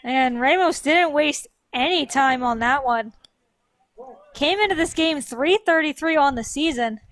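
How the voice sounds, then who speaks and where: High-pitched woman commentating on baseball. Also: unhurried, fairly bright tone. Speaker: sports co-commentator. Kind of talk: live baseball analysis, conversational.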